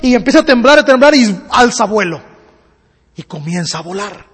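High-voiced male preacher in a reverberant hall. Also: lively intonation, fairly bright tone, husky. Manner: rhythmic repetition, building slowly. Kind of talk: sermon with storytelling.

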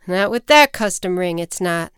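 A woman voicing an excitable, insistent man on a cell phone in a children's storybook. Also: fairly low pitch, moderate pace, smooth, no echo, clean studio sound.

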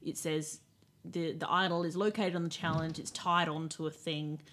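A woman co-hosting a podcast, giving dry, measured commentary while recapping a reality show. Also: low voice, fairly even intonation, fairly bright tone. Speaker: podcast co-host.

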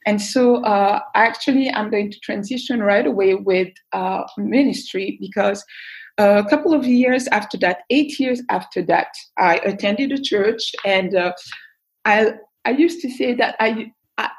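A woman from Belgium, a guest on an interview podcast, telling her life story in an earnest, thoughtful way with frequent pauses and fillers. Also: medium pitch, poor audio. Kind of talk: casual personal storytelling.

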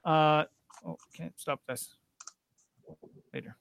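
A man hosting a podcast, his voice a little higher than most, upbeat and halting with fillers. The recording is dry, with no room sound. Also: steady tone, gravelly, fairly bright tone, clean tone, no echo. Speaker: podcast host. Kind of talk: casual podcast wrap-up.

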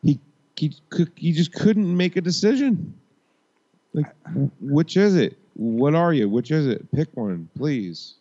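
A man's voice: fairly high pitch, expressive, unhurried, dark tone. A man co-hosting a podcast in casual chat, joking and rambling with restarts, on dull lo-fi sound. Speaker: podcast co-host.

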